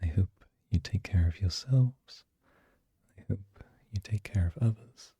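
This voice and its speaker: A man giving a soft-spoken ASMR introduction to his audience. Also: fairly low pitch, unhurried, husky, dry recording. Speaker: ASMR roleplay creator.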